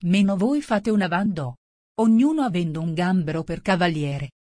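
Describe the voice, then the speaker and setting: A brusque, bossy gryphon barks out dance steps in a brisk storybook voice, as a woman reads him. Her voice sits on the low side, close and dry. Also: a little mellow, dry recording, lightly acted.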